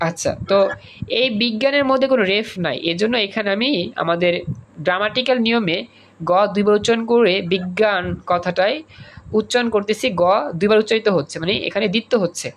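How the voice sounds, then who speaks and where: A man's voice: sits high, fast, slight background noise. A male teacher, teaching an online class over a video call and drilling students with repeated questions and examples. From Bangladesh.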